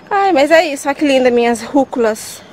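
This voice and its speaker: A woman's voice: high voice, a little fast, a little mellow, slight background noise, low-quality recording. A young Brazilian woman chatting casually to her viewers while walking through her vegetable garden and pointing things out. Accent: Brazilian Portuguese. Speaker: vlogger. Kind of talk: casual vlog chat to viewers. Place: outdoors in a vegetable garden on a farm.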